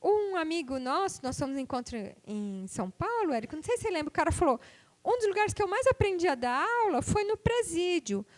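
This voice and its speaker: Middle-aged professor from Brazil, a woman, lively pitch, lecturing in a conversational way. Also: fast. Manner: conversational, rhetorical questions, tag questions. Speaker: university professor giving a conference talk. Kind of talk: academic conference lecture.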